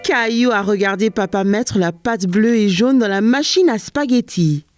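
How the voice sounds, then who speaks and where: A woman performing as the gentle storytelling narrator of a children's cartoon in French, with soft music behind. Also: medium pitch, normal speed, dry recording, clean studio sound, close to an everyday voice.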